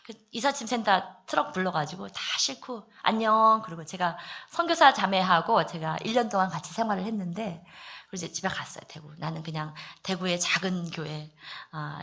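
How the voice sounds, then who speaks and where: A woman from the Daegu area giving an earnest church testimony, confiding and personal, with many soft fillers. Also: lowish voice. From Daegu, South Korea. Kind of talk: testimony at a prayer meeting.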